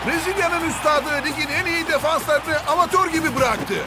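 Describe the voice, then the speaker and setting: A man voicing an excited match commentator in a dubbed cartoon, shouting the play. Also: very high-pitched, moderate pace. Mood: thrilled. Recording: stadium crowd and music behind.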